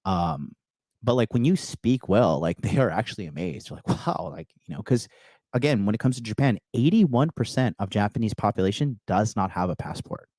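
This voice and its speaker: A man's voice: fairly low pitch, expressive, normal speed, darkish tone, no room sound. A man hosting a reaction show, commenting bluntly and mockingly on a played clip.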